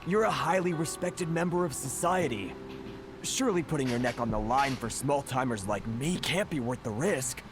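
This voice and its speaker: An actor playing an anxious, polite foreign merchant who sighs, frets and apologizes. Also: male voice, medium pitch, lively intonation, moderate pace, over music, lightly acted. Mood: worried. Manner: sighing, fretful and apologetic.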